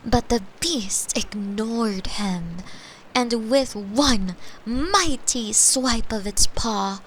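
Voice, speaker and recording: A woman playing a caring, gently teasing girlfriend, telling a soft bedtime story with unhurried delivery and playful asides. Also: fairly high pitch, a little hiss or hum, rough recording. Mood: gentle, soothing. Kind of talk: soft bedtime storytelling, sleep-aid roleplay.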